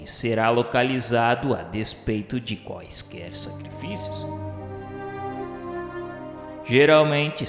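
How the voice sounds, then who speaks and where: A man reading the narration of a radio serial in a solemn, measured way, with faint music behind him. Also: mid-range voice, creaky. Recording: reverberant room with faint music. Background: faint background music.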